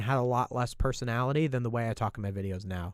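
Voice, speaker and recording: On a very clean recording with a silent background, a man speaks at a fairly quick pace with lively intonation. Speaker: YouTuber reviewing viewer comments on livestream. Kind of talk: casual livestream commentary. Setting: livestream. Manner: conversational.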